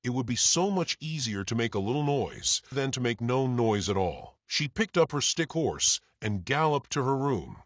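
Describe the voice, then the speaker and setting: A man reads a children's story aloud with very lively intonation. His voice sits at a middle pitch, recorded dry and slightly muffled. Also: moderate pace, few pauses, no room sound. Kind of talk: scripted children's story narration.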